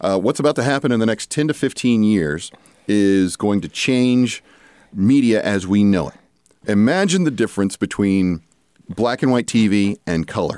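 The voice has a dark, mellow tone, lively intonation and an American accent. The recording is very clean with a silent background and a dry, close sound with no echo. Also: man. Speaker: voice actor and radio broadcaster. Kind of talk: interview. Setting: studio. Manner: animated.

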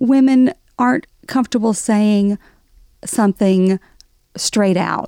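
Dry and close with no echo, a woman with a Southern US accent talks at a moderate pace in a dark, mellow tone. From Alabama, US South. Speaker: author. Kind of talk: casual chat.

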